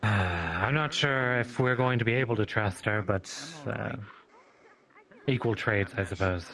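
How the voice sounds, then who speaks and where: A man playing a cautious, polite townsman in an improvised fantasy roleplay, talking in a hesitant, measured, reserved way. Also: on the low side, fairly bright tone, faint music behind, rough recording.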